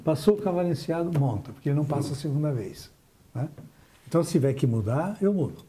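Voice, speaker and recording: A man's voice: fairly high pitch, animated, fast talker, mellow. An older businessman from southern Brazil, recalling his life as an interview guest, often restarting and trailing off as he remembers.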